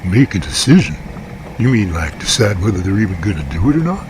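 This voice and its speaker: A man acts a laid-back, inquisitive helper in a homemade radio play. His voice is low and plain-spoken. Loud noise hums in the background. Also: big pitch swings, a little fast. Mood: curious. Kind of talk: amateur radio drama acting.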